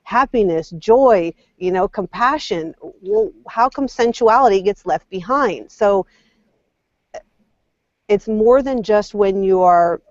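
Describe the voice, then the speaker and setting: A woman's voice: mid-range voice, slow, darkish tone, dry recording. A woman in her forties talks openly about her family life as a guest, thinking aloud with frequent restarts. Her voice sits in a middle range. The recording is dry and a bit dull. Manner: open, heartfelt, thinks aloud. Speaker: guest, mother. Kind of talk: casual panel talk.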